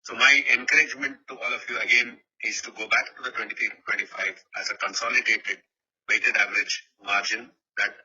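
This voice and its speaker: A man's voice: lowish voice, fairly even intonation, fairly quick, sharp tone, slightly rough. A man, a company executive answering analysts on an earnings call, with a hesitant manner and frequent "you know" asides. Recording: muffled, lo-fi conference call audio.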